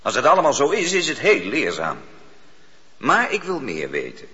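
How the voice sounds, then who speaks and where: Stern, forceful interrogator in reverb. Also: male voice, medium pitch, huge pitch swings, normal speed. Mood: intrigued, commanding. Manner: commanding, skeptical, probing. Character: stern, inquisitive male authority questioning a prisoner. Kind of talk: Dutch radio drama acting. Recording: muffled, reverberant radio drama recording.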